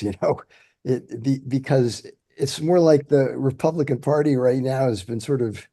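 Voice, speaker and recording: A man's voice: mid-range voice, mellow. A man in a group discussion giving a reflective, opinionated comment. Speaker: group member.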